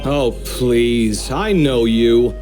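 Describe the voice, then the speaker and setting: A man's voice: mid-range voice, extremely slow, darkish tone, faint music behind. An actor playing a fussy, sarcastic young male architect in a video game, bickering in an exasperated way. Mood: earnest.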